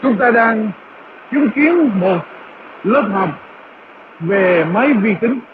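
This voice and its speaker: A man's voice: sits high, animated, takes it slowly. A man giving a storytelling talk as a radio preacher, heard through a shortwave radio. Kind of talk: radio talk with illustrative stories. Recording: tinny, noisy shortwave radio reception.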